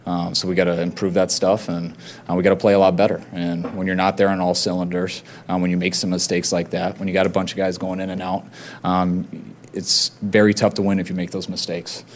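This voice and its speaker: A man speaking as a head coach at a post-game press conference, halting and measured with many fillers. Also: deep voice, completely flat delivery, slight background noise.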